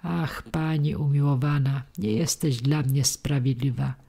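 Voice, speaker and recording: A man's voice: medium pitch, steady tone, unhurried, creaky, warm tone, husky. Woman reading a coaxing male suitor. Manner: coaxing, insistent. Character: smooth persuasive middle-aged male suitor. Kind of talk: audiobook character reading.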